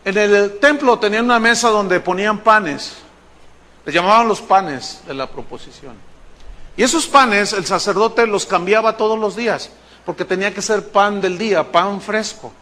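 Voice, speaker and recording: Animated pastor, bright high voice. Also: male voice, normal speed. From Mexico. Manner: animated storytelling, mimics voices in quoted dialogue. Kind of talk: sermon with acted-out anecdote.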